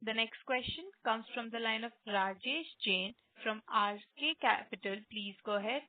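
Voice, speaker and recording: A fairly high-voiced woman runs the call as moderator, courteous and formal, calling each caller sir. Her voice comes through a conference call line that sounds thin and tinny, like a phone line. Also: moderate pace, dry recording. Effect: heard over a conference call line. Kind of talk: polite scripted call moderation.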